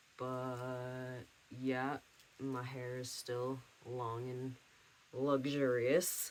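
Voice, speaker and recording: The speaker is a man with a medium pitch. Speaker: vlogger documenting transition. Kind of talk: casual vlog update. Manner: casual, many filler ums.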